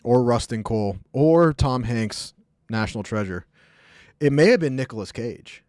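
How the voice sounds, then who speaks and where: A man's voice: medium pitch, lively intonation, normal speed, darkish tone, dry recording, studio quality. A man streaming live, chatting casually with viewers, joking and rambling as he reacts to the chat.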